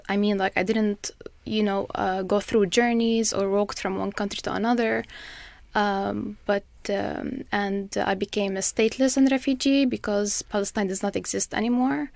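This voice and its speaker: A young woman from Lebanon speaks as a podcast guest, unhurried and thoughtful, with frequent pauses. Her voice carries a gravelly fry and stays on a narrow, even pitch. The recording is close and dry. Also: no echo. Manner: measured, frequent fillers and pauses. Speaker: guest, master's student. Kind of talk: conversational interview.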